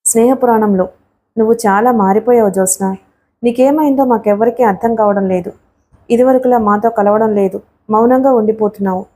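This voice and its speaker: Teasing young woman student, coaxing banter, high voice, mellow tone, read by a woman narrator. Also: fairly even intonation, brisk, lightly acted.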